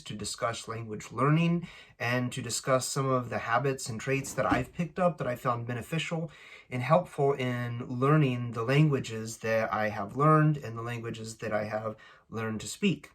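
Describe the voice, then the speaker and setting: A man speaking casually and unscripted as host of a language-learning channel, often halting as he searches for his words. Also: medium pitch. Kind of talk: casual unscripted introduction to camera.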